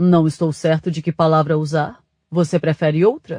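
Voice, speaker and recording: A hoarse, put-on character voice at middle pitch moves along at a moderate pace. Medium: read story. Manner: flat, almost toneless, calm.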